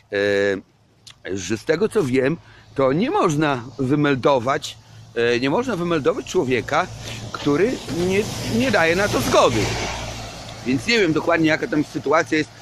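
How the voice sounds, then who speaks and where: A man's voice: mid-range voice, no room sound. A man rambling in a casual vlog monologue while walking outdoors at night. He hedges a lot and swears casually. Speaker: vlogger. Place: outdoors at night under a street lamp.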